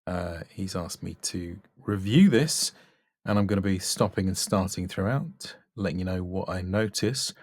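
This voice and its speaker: A man giving an off-the-cuff spoken critique as a coach, measured and considered. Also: sits low, no room sound, clean studio sound. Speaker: voice-over coach.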